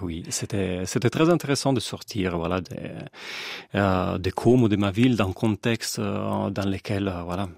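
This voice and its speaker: A man's voice: fairly low pitch, gravelly, no echo, clean studio sound. A young Italian man with an Italian accent, a guest in a radio interview, speaking French hesitantly with many fillers and restarts. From Italy. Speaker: guest musician.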